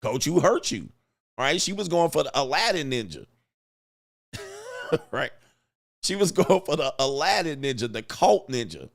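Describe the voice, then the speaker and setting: A man's voice: on the high side, very animated, measured pace, creaky, long pauses. A middle-aged man from Southern California, hosting a casual livestream and reading viewer super chats with laughing, mocking asides.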